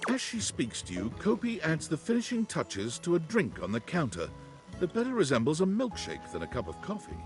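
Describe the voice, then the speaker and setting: A man's voice: a little high, wildly swooping pitch, a little fast. A man reading scripted second-person narration for a story game as its narrator. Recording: music behind the voice.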